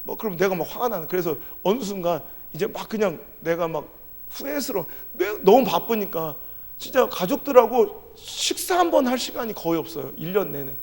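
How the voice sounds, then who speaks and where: Emotional pastor, high gravelly voice. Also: male voice, sing-song, normal speed. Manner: emotional storytelling, swinging from soft to loud. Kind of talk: revival sermon. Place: large church hall. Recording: echoey hall with long reverb.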